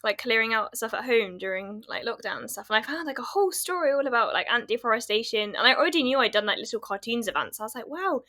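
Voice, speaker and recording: A woman's voice: a little high, animated, quick pace, hardly any pauses, bright, forceful tone. A young woman from North Yorkshire, a wildlife artist and podcast guest, chatting cheerfully and laughing often. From North Yorkshire, England. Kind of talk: casual interview chat. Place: home room.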